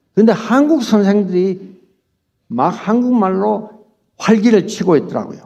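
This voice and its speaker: With audible room echo around him, a man speaks very slowly in a high voice. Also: ordinary pitch variation. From South Korea, Daegu. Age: 80s+. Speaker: church elder. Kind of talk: sermon. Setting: church.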